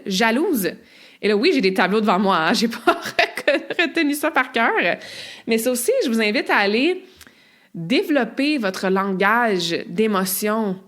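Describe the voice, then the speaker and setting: A woman's voice: fairly high pitch, fairly bright tone. A woman hosting a podcast, talking casually and reeling off long lists of words with frequent filler asides. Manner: chatty, reels off lists of emotion words, frequent "tu sais". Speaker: podcast host.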